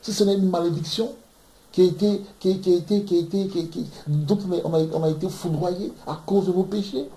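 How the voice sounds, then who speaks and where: Brisk and high-pitched, yet mellow and steady in tone, an Ivorian man preaches fervently on scripture. He keeps repeating words as he hunts for them, and the recording from his London room is echoey.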